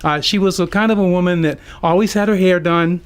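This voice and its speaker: A man's voice: high voice, fairly even intonation, fairly quick, clean tone. An American man in his sixties telling an unscripted personal story on the radio in a conversational, amused way. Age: 60s. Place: community radio studio.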